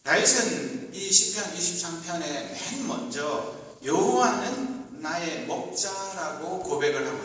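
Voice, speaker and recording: A man in his fifties, a pastor delivering a measured Sunday sermon with frequent hesitant fillers. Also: high-pitched, a bit bright, recorded from a distance, a little hiss or hum. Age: 50s. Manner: measured preaching with hesitant fillers, rising for emphasis. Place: church sanctuary. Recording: echoey hall, recorded from afar.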